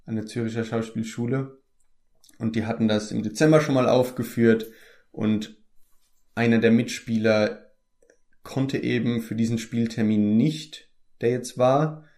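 A man's voice: medium pitch, steady tone, measured pace, mellow. A young man, an actor from the Palatinate in Germany, chatting casually in an interview, easygoing and full of hesitant fillers and restarts.

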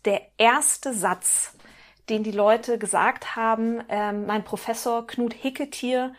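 A woman in her thirties from Germany, a guest on a podcast, talking in a chatty, casual way and correcting herself as she goes. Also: medium pitch. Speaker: guest, founder of a musicians' network. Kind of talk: conversational interview.

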